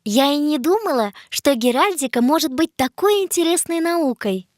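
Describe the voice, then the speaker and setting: High-voiced, curious cartoon girl. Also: expressive, moderate pace, music in the background. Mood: earnest, curious. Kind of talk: scripted cartoon dialogue.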